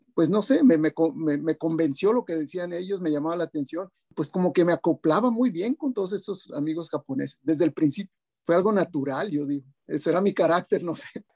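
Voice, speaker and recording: A man talks fairly quickly with a northern Mexican accent, his pitch high for a man and his pitch variation ordinary. His tone is dark and mellow, and the sound is dry and close with no echo. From Mexico, Sinaloa (Culiacán). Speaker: concert pianist. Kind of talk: interview. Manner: halting, frequent repetitions.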